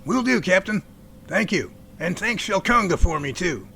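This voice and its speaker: A man's voice: high-pitched, lively intonation, normal speed, creaky, sharp tone, a little hiss or hum, full character voice. A man playing a genial middle-aged professor in an amateur audio drama, with courteous, folksy phrasing. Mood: pleased. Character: genial middle-aged professor running a Bigfoot research center.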